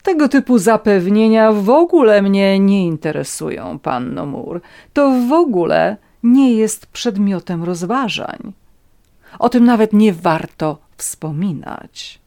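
A woman's voice: medium pitch, lively intonation, measured pace, darkish tone. A woman voicing a haughty aristocratic countess who speaks with cold contempt. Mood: contemptuous.

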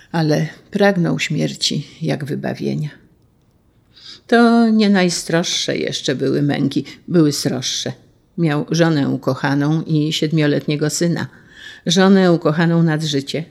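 A woman reading a literary story aloud in a measured, solemn way. Her voice is low and has a gravelly texture throughout. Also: darkish tone. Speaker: narrator.

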